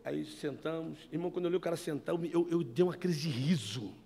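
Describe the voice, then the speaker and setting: A man from Rio de Janeiro gives an animated sermon testimony, calling his listeners brothers as he tells a story indoors. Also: on the high side, fast talker, vocal fry, breathy edge. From Brazil, Rio de Janeiro. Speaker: evangelist giving testimony. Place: indoor meeting room.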